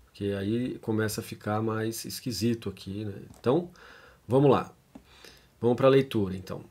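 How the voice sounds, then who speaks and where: Reading from a text and discussing it informally, a Brazilian theology lecturer speaks with a Brazilian Portuguese accent at a normal speed. His voice sits on the low side, husky and darkish, with a steady tone. He keeps it conversational, often adding fillers and tacking questions onto his sentences.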